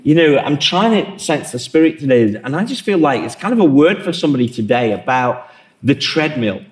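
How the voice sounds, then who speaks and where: A man leading an interview at a church service, gently prompting his guest with questions and summing up what she says. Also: mid-range voice, big pitch swings, a little fast.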